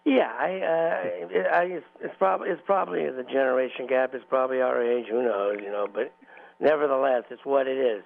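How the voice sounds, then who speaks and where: A man's voice: medium pitch, moderate pace, creaky. A man hosting a local radio talk show as DJ, chatting loosely with many fillers and restarts. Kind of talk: casual radio chat. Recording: tinny phone-like radio audio.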